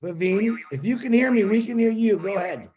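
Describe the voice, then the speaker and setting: A man's voice: high voice, lively intonation, fairly quick, muffled recording. A man hosting an online video call, calling on speakers and encouraging them. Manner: warm, encouraging, calls on speakers. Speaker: host. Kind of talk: moderating an online panel.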